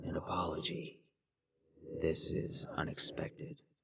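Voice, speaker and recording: Whispering at a fairly slow pace, a man uses a put-on character voice. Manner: formal, measured, surprised.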